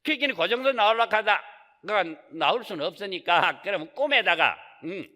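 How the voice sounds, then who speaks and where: A man's voice: sits high, expressive, moderate pace, sharp tone. A man, a Buddhist monk, giving a Sunday Dharma talk with rhetorical questions and folksy asides. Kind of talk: sermon. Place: temple hall. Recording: reverberant temple hall.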